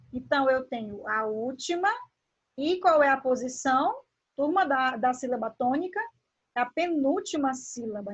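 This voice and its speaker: A woman teacher from Brazil, giving a grammar lesson. She draws words out slowly and asks the class questions as she explains. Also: high voice, breathy edge. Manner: slow, drawn-out word pronunciation with questions to the class.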